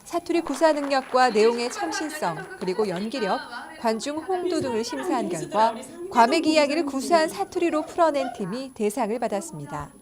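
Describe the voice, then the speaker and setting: A woman reporter narrating a news segment in a formal, measured way. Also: high-pitched, very animated.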